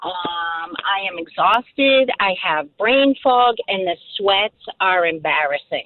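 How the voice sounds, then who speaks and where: Lively intonation marks this woman's speech. She talks very slowly. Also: medium pitch for a woman. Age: 60s. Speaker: caller. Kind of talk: call-in question.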